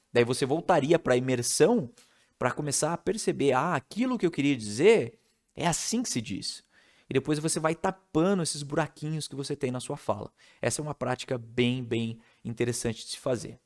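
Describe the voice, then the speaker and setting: A man from Brazil gives a casual video lesson on how to learn English. He explains it step by step and keeps checking in with the listener. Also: mid-range voice. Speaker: English teacher.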